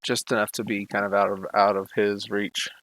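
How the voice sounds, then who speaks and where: A man's voice: lowish voice, level tone, fairly quick, a bit bright, no room sound, rough recording. A man narrating a tabletop game as game master, in a casual, laughing, self-deprecating way.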